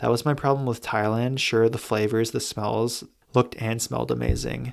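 A man with an American accent speaks quietly at a moderate pace on a very clean recording with a silent background. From United States. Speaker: travel podcaster. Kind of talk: solo monologue. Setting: shared house at night.

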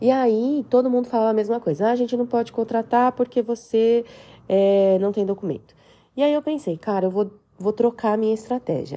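A woman with a dark, mellow tone and a fairly high pitch speaks at a fairly quick pace. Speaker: podcast host. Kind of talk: personal storytelling. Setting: recording away from home, not silent.

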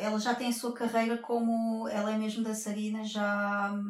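Audible room echo follows a woman with a European Portuguese accent as she speaks very slowly at a fairly high pitch with monotone, flat intonation. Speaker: podcast co-host. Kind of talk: casual chat.

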